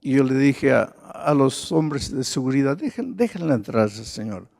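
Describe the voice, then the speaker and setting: Older pastor preaching in a reverberant hall. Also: male voice, medium pitch, normal speed, vocal fry. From Peru. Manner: animated storytelling, acts out quoted voices. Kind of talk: sermon storytelling. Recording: long reverb of a large hall.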